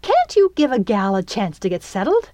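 A feisty little fairy from a storybook, as a woman acts her out, speaks with sharp, sassy impatience. Her pitch sits high and swoops about freely. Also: sing-song, moderate pace, no echo. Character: tiny, feisty, sharp-tongued female fairy.

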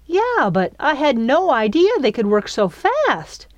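A woman's voice: on the high side, sing-song, measured pace, no echo, voice pushed up. A woman voicing an eager young girl who speaks in a gushing, over-enthusiastic manner in a story.

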